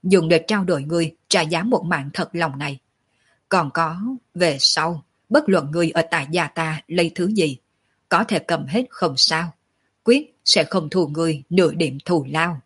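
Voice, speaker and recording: A woman's voice: deep voice, a bit bright, husky, exaggerated voice. A woman voicing a dignified, commanding old male clan patriarch in a storybook reading. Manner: measured, commanding, calls himself old man.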